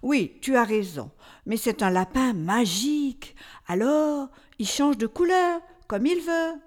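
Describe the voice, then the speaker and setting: A woman's voice: on the high side, animated, takes it slowly, darkish tone. A woman playing a patient, easily flustered storyteller who coaxes a child along in a comic radio dialogue. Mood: patient, improvising. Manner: hesitant, coaxing, as to a child.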